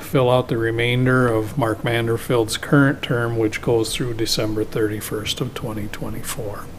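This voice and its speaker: Amid light background noise, a man with an American accent and a medium pitch talks at a very slow pace. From US Midwest. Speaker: county administrator. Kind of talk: public meeting report. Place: meeting room. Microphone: podium.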